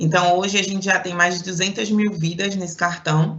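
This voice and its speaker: A woman with a fairly low pitch speaks at a moderate pace with fairly even intonation over noticeable background noise. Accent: Pernambuco. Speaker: company representative. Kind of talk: presentation. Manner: halting, many fillers.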